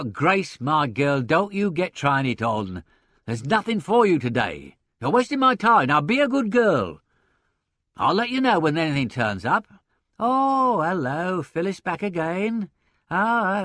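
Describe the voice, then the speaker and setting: A man's voice: on the high side, dry recording, clean studio sound, pitched above the performer's own voice, full character voice. Man acting a bellowing, blustering stout theatrical agent. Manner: bellowing, excitable, brusque.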